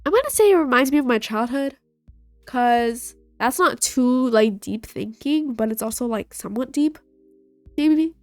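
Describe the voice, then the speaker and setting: A woman's voice: sits high, animated, a little slow, no room sound. Stuffy-nosed woman playing a dating game. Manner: playful, reads characters in her own voice. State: stuffy nose from a cold. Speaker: gaming video host. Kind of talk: reading a dating game aloud, playing all the lines. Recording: faint game music behind.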